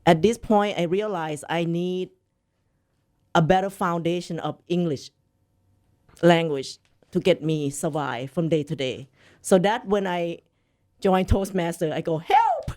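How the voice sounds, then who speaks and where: Sex: woman. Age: 60s. Origin: Thailand. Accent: Thai. Native language: Thai. Role: radio interview guest. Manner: cheerful, laughs often. Pitch: somewhat low. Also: a little slow, long pauses, darkish tone.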